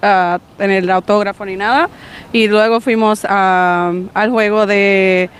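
A fan from Rico, chatting quickly and casually in a street interview. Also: mid-range voice, fairly even intonation, fairly bright tone, clear, resonant tone. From Puerto Rico. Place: outdoors by a hotel, street traffic.

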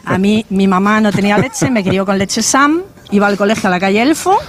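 Lively older woman from Madrid. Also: medium pitch, fairly quick. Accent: Madrid Spanish. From Madrid, Spain. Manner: lively, humorous, storytelling. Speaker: guest, biologist and teacher. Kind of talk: casual interview chat. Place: village square outdoors.

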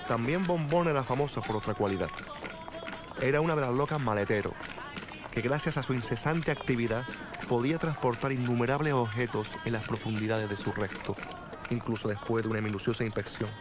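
An actor with a Cuban accent playing an imprisoned writer who calmly narrates his life in prison, in a film voice-over. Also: mid-range voice, brisk, natural voice. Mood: wry, reflective. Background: loud film music.

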